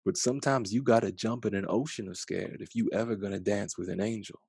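A man voicing a loving old grandfather in a storybook, talking slowly with folksy, gentle wisdom. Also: fairly low pitch, fairly even intonation, creaky, slightly rough, dry recording. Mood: wise, reassuring. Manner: folksy, slow, humming "mm-hmm".

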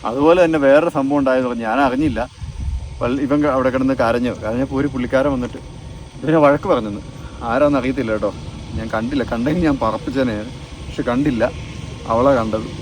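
A man's voice: medium pitch, steady tone, fast talker, a little hiss or hum. A man talking casually to viewers as a family vlogger, chatty and rambling, recorded outdoors by a car on a handheld phone. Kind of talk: casual vlog talk to viewers. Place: outdoors by a car after church.

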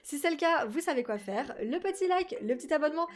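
A young woman chatting excitedly to her viewers while playing a life-sim game, reacting out loud to what happens. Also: high voice, fast talker. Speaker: gaming YouTuber. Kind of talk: casual let's-play commentary.

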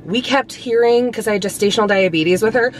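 A woman's voice: medium pitch, fairly quick. Pregnant mom vlogging in her car, rambly, says like a lot, faint hum behind. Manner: chatty, rambling, lots of "like". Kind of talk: casual chat to camera. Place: parked car, then a store. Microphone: camera held at arm's length.

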